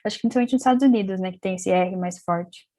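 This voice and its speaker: A woman's voice: mid-range voice, very fast, warm tone. A young woman explains English grammar in a loose, chatty way. She often restarts her sentences and spells words out letter by letter. When she switches into English, her accent is from London. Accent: London English when speaking English. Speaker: English teacher. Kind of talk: casual online class explanation.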